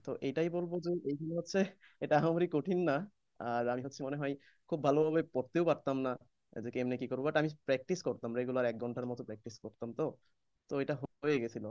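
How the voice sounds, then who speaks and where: A man's voice: mid-range voice, fast talker, darkish tone, no room sound, highs cut off. A young man, a former student, sharing his experience casually and hesitantly with many fillers. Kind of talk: casual testimony in class.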